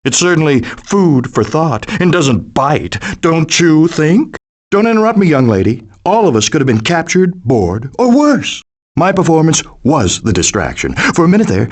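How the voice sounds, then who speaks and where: A man's voice: fairly high pitch, sing-song, moderate pace, husky. A man voicing a melodramatic, doting father possum in a cartoon video game, with a pompous, theatrical, declamatory manner. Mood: pompous, grandiose. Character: melodramatic, hammy male possum, doting middle-aged father. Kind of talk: animated video game voice acting.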